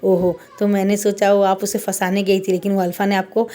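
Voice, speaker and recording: A woman's voice: mid-range voice, level tone, brisk, warm tone, natural voice. A woman voicing a gossipy young man teasing his twin sister, in a retold fan-fiction story.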